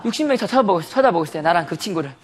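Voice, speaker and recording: A man's voice: high-pitched, animated, rapid-fire, breathy edge. A man giving a sermon testimony, telling a story animatedly with frequent laughter and rhetorical questions.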